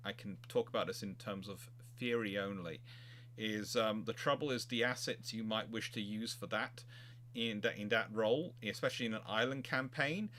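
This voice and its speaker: Bright-voiced man over humming background noise. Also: lowish voice. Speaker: host of a naval history live chat. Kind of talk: informal expert discussion, answering viewer questions.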